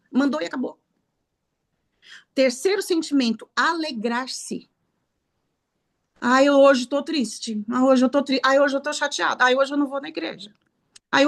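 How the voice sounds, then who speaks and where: A woman from Brazil preaching a sermon, emphatic and teaching through rhetorical questions and acted-out quotes. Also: a little high. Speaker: preacher and counselor.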